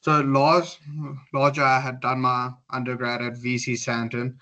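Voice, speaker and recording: This is a man with a South African accent and a bright, sharp-edged voice. His delivery stays quite monotone as he politely presents his work as a student to a lecturer. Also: medium pitch, measured pace.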